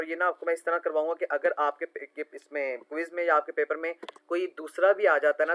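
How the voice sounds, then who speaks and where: Man tutoring, spelling words slowly. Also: on the high side, a bit bright, rough recording. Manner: explanatory, repeats and spells words slowly letter by letter. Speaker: online tutor solving quiz answers. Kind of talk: screen-recorded lesson explanation.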